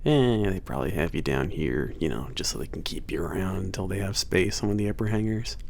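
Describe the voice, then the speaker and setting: A man's voice: low-pitched, lively intonation, quick pace, creaky, a little mellow. A man playing a casual werewolf maintenance trainer with some attitude, teasing and a little hesitant, in an ASMR audio drama. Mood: casual, wry. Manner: hesitant, teasing, sighing and chuckling casual talk.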